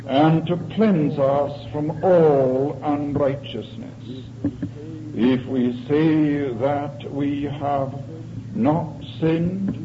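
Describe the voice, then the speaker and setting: Slow, measured Scottish Highland preacher, a man. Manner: formal, measured, deliberate. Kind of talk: sermon and solemn scripture reading. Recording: muffled recording with congregation noise.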